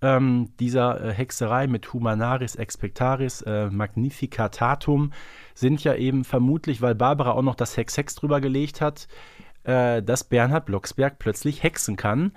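A man's voice: mid-range voice, normal speed, no room sound. A man with a mid-range voice talks as a podcast co-host in a very dry recording. He explains things casually and analytically, thinking aloud as he goes. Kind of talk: casual analytical discussion of an audio drama series.

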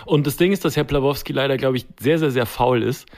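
A man co-hosting a podcast, relaxed and joking as he tells an anecdote in casual chat. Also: medium pitch, fast talker.

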